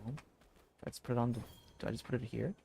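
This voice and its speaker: A man giving casual gameplay commentary as a streamer, rambling and thinking aloud in a halting way. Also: medium pitch, steady tone, gravelly, dark tone, slight background noise. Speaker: video game streamer.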